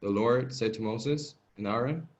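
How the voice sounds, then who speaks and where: A man's voice: mid-range voice, a little slow. A man with a non-native accent reading a scripture passage aloud to a study group over a video call, stumbling and repeating words. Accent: non-native English. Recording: dull, lo-fi video call audio.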